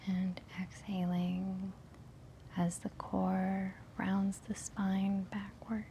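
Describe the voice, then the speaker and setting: A woman leading a guided meditation in a soft, breathy whisper, giving gentle, soothing instructions with long pauses. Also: mid-range voice, monotone, a little hiss or hum.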